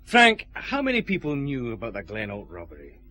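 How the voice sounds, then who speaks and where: An actor playing a dry, probing detective chief inspector in a radio drama. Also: male voice, mid-range voice, wildly swooping pitch, brisk, pushed and bright.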